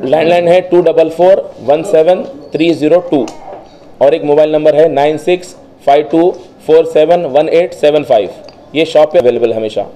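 A man's voice: a little high, normal speed, dark tone, rough recording. A man who owns an optical shop, speaking at a press event in his crowded store and promoting its services. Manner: promotional, listing services and phone numbers. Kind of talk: press statement. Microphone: cluster of press microphones on table.

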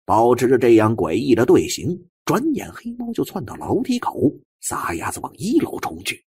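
A male audiobook narrator tells a suspense story dramatically. His voice is very husky, with a medium pitch that swings extremely widely, recorded dry and close. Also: very animated, moderate pace, darkish tone, no room sound.

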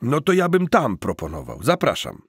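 A man's voice: mid-range voice, wildly swooping pitch, moderate pace, husky, no echo, studio quality, full character voice. A man as a breezy, smug middle-aged cousin. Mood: inviting. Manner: breezy, chatty, upbeat. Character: cheerful, smug forty-something male cousin, optimistic businessman.

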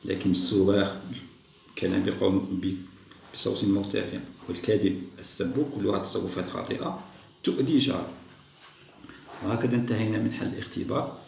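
Gravelly low-voiced man teaching young kids. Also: fairly even intonation, reverberant, a little hiss or hum. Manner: slow, patient, repeats each answer. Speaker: teacher solving a school test. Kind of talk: step-by-step lesson for young children.

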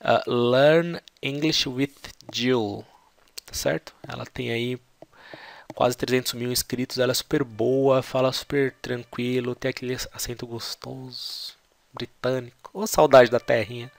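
Gravelly-voiced São Paulo vlogger. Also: male voice, medium pitch, little pitch movement, a little slow, no echo. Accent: São Paulo Brazilian Portuguese. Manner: chatty, translating aloud with restarts. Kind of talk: casual explanatory vlog.

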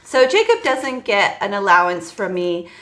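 A woman's voice: mid-range voice, big pitch swings, normal speed, bright, forceful tone, echoey room. A woman in her forties, chatting casually to viewers about her budget while counting cash at a table. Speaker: budgeting vlogger. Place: indoors at a table. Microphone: voice heard over top-down table camera, hands only.

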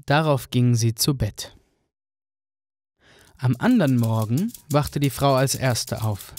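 A man narrating a fairy tale in a radio play with an even, storytelling manner. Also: medium pitch, takes it slowly.

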